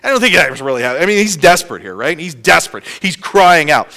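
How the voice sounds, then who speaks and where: Male pastor, sermon, bright tone, higher pitch, halting restarts, engages the congregation with questions. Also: creaky. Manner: animated, asks the congregation questions; hesitant restarts with many "uh" fillers. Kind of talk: sermon with prayer and Bible reading.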